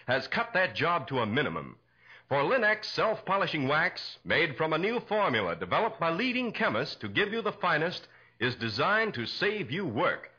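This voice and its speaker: A man working as a 1940s radio announcer, delivering lines as an emphatic sales pitch. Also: sharp tone, slightly rough. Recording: dull lo-fi 1940s radio recording.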